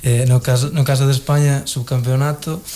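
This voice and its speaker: A man hosting a local radio sports show with a Galician accent, asking steady questions and backchanneling often. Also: mid-range voice, fairly quick, slight background noise.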